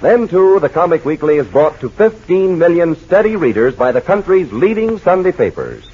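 A man narrating an old radio serial and reading its sponsor plug in a lively selling tone. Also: fairly high pitch, moderate pace, husky. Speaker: announcer and narrator. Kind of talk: 1940s radio narration and ad read. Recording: tinny old radio broadcast.

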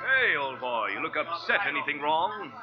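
An actor playing a slick, evasive dandy in 1940s radio drama style, affected and breezy but hesitant when pressed. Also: male voice, a little high, big pitch swings, moderate pace, music in the background. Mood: breezy, smug. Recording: muffled noisy old radio recording.

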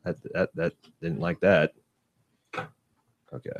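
A man's voice: sits low, level tone, takes it slowly, lo-fi sound, slight background noise. A man co-hosting a podcast in casual chat, joking, swearing freely and laughing often. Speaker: podcast co-host. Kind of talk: casual chat while testing software. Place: small studio. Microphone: studio mic.

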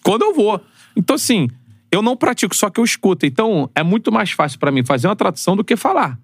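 Brazilian man, 30s, podcast guest, rapid and animated, slightly high, dry sound. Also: husky, no echo. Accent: Brazilian Portuguese. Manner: fast, animated storytelling with slang. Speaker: podcast guest, football commentator. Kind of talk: casual chat.

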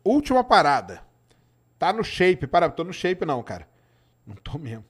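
Man, Minas Gerais accent, middle-aged, science host, casual chat, slightly high voice. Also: wildly swooping pitch, normal speed, breathy edge. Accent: Minas Gerais Portuguese. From Brazil. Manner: chatty, informal, answers chat questions with tag "tá?". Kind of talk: casual live-stream chat.

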